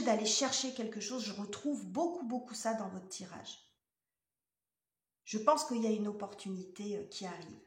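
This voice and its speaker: A woman doing a casual tarot reading, talking in a hesitant way with many fillers and restarts. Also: medium pitch. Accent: French. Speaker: tarot reader. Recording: roomy echo.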